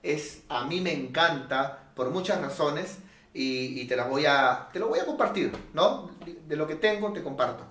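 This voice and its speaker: A male pastor preaching a sermon in an animated, rhetorical way, often asking his listeners "¿no es cierto?". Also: a little high, moderate pace, far from the mic, a little hiss or hum. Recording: echoey room, voice off-mic.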